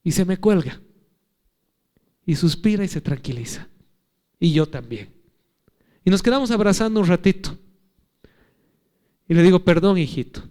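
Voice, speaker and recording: A man in his thirties, a pastor, preaching an earnest sermon. He moves between emphatic, raised lines and soft, hushed ones, tells stories conversationally and puts direct questions to his listeners. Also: high-pitched, lively intonation, normal speed, long pauses.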